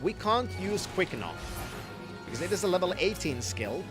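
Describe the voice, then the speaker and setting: A man's voice: high voice, sing-song, moderate pace, music in the background. Chatty male streamer explaining a game. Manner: chatty, explains game mechanics, restarts sentences. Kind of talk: casual gaming commentary.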